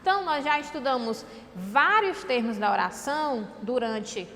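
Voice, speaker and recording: Brazilian woman, teacher, high voice, patient step-by-step lecturing, reverberant room, faint hiss. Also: expressive, normal speed, fairly bright tone. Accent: Brazilian Portuguese. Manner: explains step by step, often checks in with "tá certo?". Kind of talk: online class lecture.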